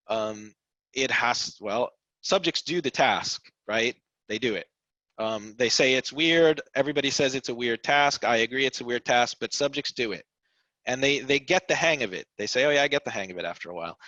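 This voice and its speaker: A man's voice: medium pitch, sharp tone, dry recording. A man speaking thoughtfully in an academic seminar, hesitant with many fillers, over a video call. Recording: dull lo-fi video call audio.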